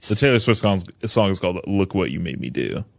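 Animated, jokey man on a podcast. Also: low voice, fairly quick, gravelly, dry recording. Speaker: podcast panelist. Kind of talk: casual banter.

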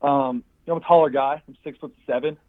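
A man's voice: mid-range voice, fairly even intonation, moderate pace. A young adult man calling in to a radio show over the phone, friendly and upbeat. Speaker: caller. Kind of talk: call-in radio chat. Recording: tinny phone line.

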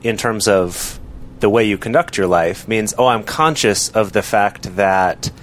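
A man co-hosting a casual podcast discussion, explaining ideas in a measured way. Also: fairly low pitch, slight background noise. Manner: explanatory, measured, drawn-out words. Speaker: podcast co-host.

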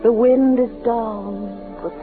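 A yearning heroine of radio melodrama. She speaks very slowly and dramatically, on a muffled old recording with music behind. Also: fairly high pitch, steady tone.

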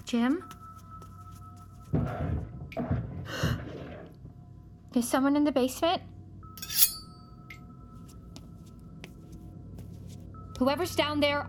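An actress in her thirties playing a worried mother in an audio drama, firm but kind. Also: sits high. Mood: frightened. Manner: firm, caring.

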